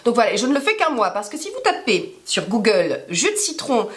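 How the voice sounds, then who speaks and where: A woman with a hoarse smoker's rasp being sick, chatting casually to camera in a rambling, self-deprecating way full of asides. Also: on the high side, big pitch swings, a little fast. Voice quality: raspy smoker's rasp from illness. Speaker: YouTube vlogger.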